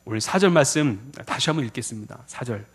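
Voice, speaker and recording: Animated male pastor preaching. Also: mid-range voice, quick pace, husky. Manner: animated preaching, addresses the congregation with questions. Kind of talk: sermon. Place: church sanctuary.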